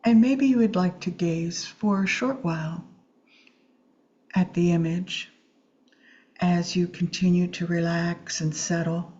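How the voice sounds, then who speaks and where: A woman with a dark, very mellow voice leads a guided meditation. She speaks gently and soothingly, leaving long, unhurried pauses between short phrases. The recording is slightly dull and muffled. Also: on the low side, fairly even intonation. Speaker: meditation teacher. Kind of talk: guided Yoga Nidra meditation.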